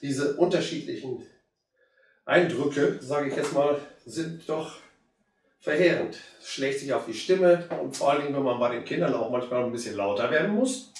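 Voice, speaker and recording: A hoarse man in his fifties with a cold, chatting casually to viewers as he works on a plant. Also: medium pitch, moderate pace, recorded from a distance, slight background noise. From Germany. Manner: relaxed, chatty, addresses viewers directly. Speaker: bonsai hobbyist. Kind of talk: casual how-to commentary while working. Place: indoor room with curtain backdrop. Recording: very echoey room, voice off-mic.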